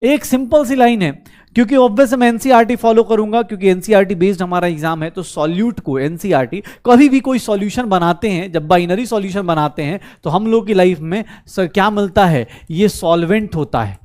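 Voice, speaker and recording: Male online chemistry tutor, high voice, brisk and coaxing, asks and answers his own questions. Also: darkish tone. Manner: mixes Hindi with English terms, calls students beta. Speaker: chemistry teacher. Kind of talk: online class lecture.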